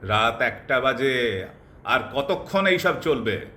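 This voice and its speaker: Man acting a slow, drawling, irritated urbane man. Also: mid-range voice, big pitch swings, bright, forceful tone, slight background noise, exaggerated voice. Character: bored, irritated, urbane man mixing in English. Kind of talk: audio drama acting.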